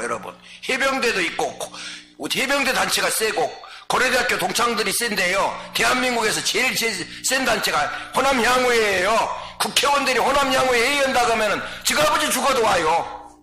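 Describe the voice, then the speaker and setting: Man, older, Jeolla accent, pastor's sermon, emphatic, bright, echoey room. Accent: Jeolla Korean. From Jeolla, South Korea. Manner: emphatic, swings between shouting and low asides, constantly addresses the congregation.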